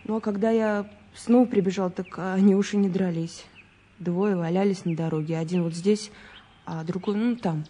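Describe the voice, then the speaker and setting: A young woman voiced by an actress in a radio detective drama, chatty and sure of her opinions. Her voice is mid-pitched, soft-toned and a little husky, with colloquial, dismissive turns of phrase. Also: fairly even intonation, moderate pace, natural voice. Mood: earnest, recalling. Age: young adult. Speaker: actor in an audio play. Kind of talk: naturalistic radio drama dialogue.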